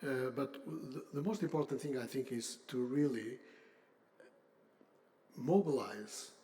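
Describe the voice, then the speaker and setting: An older man, a chief executive, giving a semi-formal unscripted conference speech with halting, deliberate phrasing. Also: medium pitch, mellow. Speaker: industry association CEO, panel speaker.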